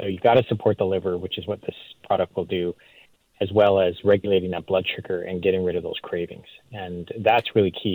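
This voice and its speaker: The pace is fairly quick. The intonation stays monotone and flat. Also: man, very deep, low pitch for a man. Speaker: health product specialist. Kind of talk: sponsored product talk.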